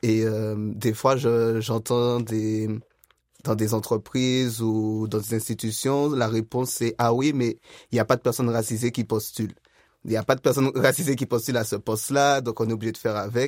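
Speaking in a Martinican accent, a man keeps a medium pitch and monotone, flat intonation at a moderate pace. The sound is dry and close with no echo, a very clean recording with a silent background. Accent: Martinican French accent, kept. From Martinique. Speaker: youth participant. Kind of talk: casual conversation.

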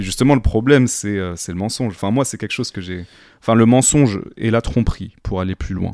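With a plain, everyday voice, a man speaks at a fairly quick pace and fairly low pitch, his pitch varying in an ordinary way, on a very clean recording with a silent background. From France. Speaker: podcast host. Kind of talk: casual chat.

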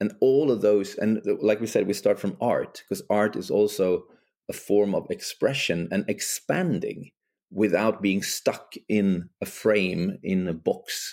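A man speaking at a fairly slow pace with a Swedish accent. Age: 50s. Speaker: tantra teacher. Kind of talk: casual interview. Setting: remote call.

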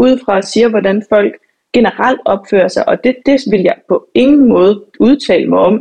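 Her voice carries vocal fry and a dark, mellow tone as the woman speaks with ordinary pitch variation. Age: 20s. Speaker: journalist. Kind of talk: panel discussion.

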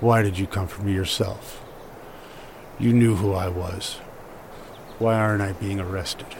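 A man at a moderate pace with a fairly low pitch, monotone, flat intonation, a menacing, somewhat breathy tone and long, frequent pauses. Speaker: actor playing a lecturer narrator. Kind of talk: first-person horror fiction narration. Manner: measured, reflective; dry, menacing undertone.

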